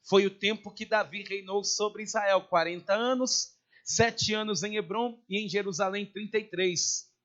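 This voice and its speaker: A man's voice: high voice, steady tone, unhurried, fairly bright tone. A man with a Brazilian accent preaching a sermon as pastor in a church, dramatic and questioning his congregation. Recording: dull lo-fi recording.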